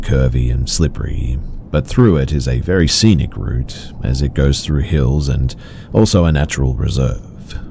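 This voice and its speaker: Man, horror story narrator, extremely deep voice, dark tone, even pacing. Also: creaky, slight background noise.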